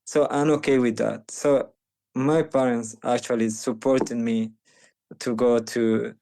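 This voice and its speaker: Guest: young Panamanian man, slow and mellow, halting speech full of restarts, second-language speaker. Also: mid-range voice, steady tone, vocal fry, slight background noise. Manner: halting, many restarts and fillers. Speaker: guest, medical missionary. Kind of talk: conversational interview.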